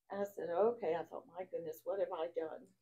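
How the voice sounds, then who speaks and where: A woman's voice with ordinary pitch variation. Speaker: pastor. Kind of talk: testimony.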